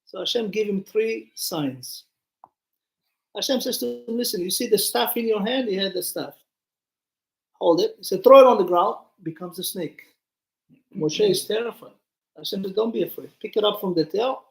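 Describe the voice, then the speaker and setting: A man's voice: high-pitched, moderate pace, vocal fry. Guy rabbi teaching torah casually, acts out the dialogue, asks listeners stuff, echoey room. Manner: conversational, acts out dialogue, puts questions to listeners. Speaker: rabbi giving a Torah class. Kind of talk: informal Torah lesson with storytelling.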